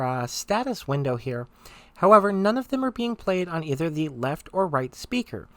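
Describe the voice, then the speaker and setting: This software tutorial narration is given by a presenter in a mid-range voice, with no room sound in the recording. They guide the listener through each step in a friendly, instructional way.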